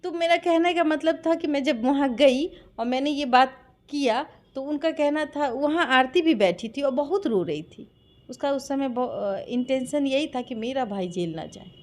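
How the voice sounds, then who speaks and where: A high-pitched woman's voice at normal speed carries a Bihari accent; she is from Bihar, India, and is being interviewed about a dispute. She tells her version insistently and with passion, leaning heavily on rhetorical questions.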